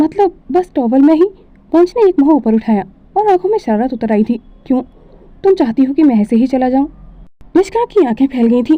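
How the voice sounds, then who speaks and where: High in pitch, this woman's voice makes very wide pitch swings. Her loudness stays very even. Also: moderate pace. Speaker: storyteller narrator. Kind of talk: romantic audio story narration.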